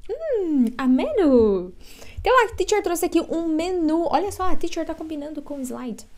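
A Brazilian woman with a Brazilian Portuguese accent teaching English vocabulary to Portuguese speakers, drilling words slowly for the viewer to repeat and adding chatty asides. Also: very high-pitched, big pitch swings, darkish tone. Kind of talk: bilingual vocabulary lesson.

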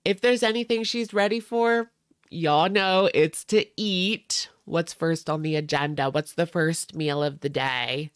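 A woman's voice: deep voice, unhurried, no room sound, studio quality. A young woman hosting a reaction video with casual, sarcastic commentary, a little stuffy-nosed. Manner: sarcastic, chatty. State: stuffy nose.

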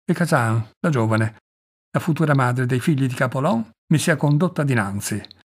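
A proud old tribal chief declaiming his deeds to his people in an audiobook story, read by a man. The voice is husky and slightly breathy, at a middle pitch. The delivery is solemn and boastful. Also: animated, normal speed. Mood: commanding.

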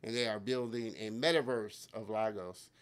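Male host in his fifties, upbeat, smooth resonant voice, close studio mic. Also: lowish voice, fairly even intonation, normal speed. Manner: enthusiastic, repeats words warmly. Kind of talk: live-streamed interview. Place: home studio with colorful lighting. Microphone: studio mic on boom arm.

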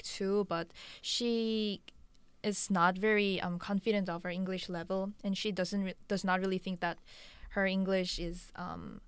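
A young woman with a smooth, clear voice speaks politely and in a measured way. The sound is close and dry. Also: medium pitch, dry recording. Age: young adult. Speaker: university student. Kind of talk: casual discussion.

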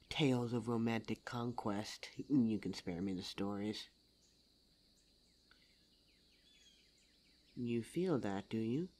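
A performer voicing a suave, teasing demon lover in an intimate ASMR roleplay audio drama, smooth-talking and formal in address. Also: medium pitch, darkish tone, lightly acted. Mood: playful, seductive.

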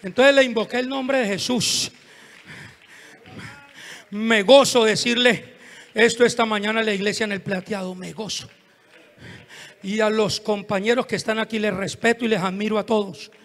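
Fervent, gravelly preacher man. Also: high voice, fairly even intonation, normal speed, long pauses. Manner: fervent, dramatic preaching that rises to shouts. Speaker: pastor. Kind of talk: evangelistic sermon with storytelling.

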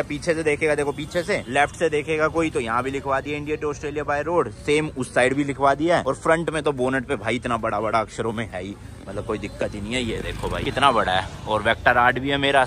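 A man's voice: medium pitch, bright, forceful tone. A young man from India vlogging casually to a handheld camera, chatty and upbeat, talking to viewers outdoors on a city street and from his car. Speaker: travel vlogger. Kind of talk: casual vlog chat to camera. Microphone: handheld camera at arm's length.

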